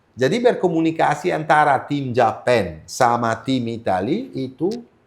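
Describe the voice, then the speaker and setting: This man has a non-native accent and fairly high pitch. He speaks at a very slow pace. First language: not Indonesian (speaking Indonesian). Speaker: motorcycle racing pundit. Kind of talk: casual discussion. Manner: halting, many fillers.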